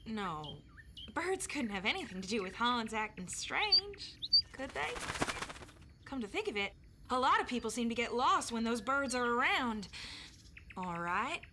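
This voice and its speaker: A woman's voice: on the high side, noisy background. An actress playing an anxious young village huntress in an audio drama, earnest and pleading in her delivery. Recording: outdoor ambience with birdsong.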